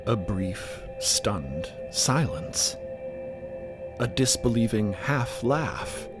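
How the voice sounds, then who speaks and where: A man's voice: lowish voice, animated, drawn-out words, over music. A man delivering scripted dramatic narration as a co-narrator of a story.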